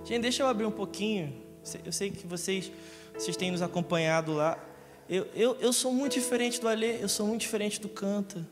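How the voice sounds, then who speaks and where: This Rio de Janeiro man preaches quickly at a Sunday service in a church hall, full of jokes and questions for the congregation. His male voice runs high, wrapped in long church echo as music plays behind him.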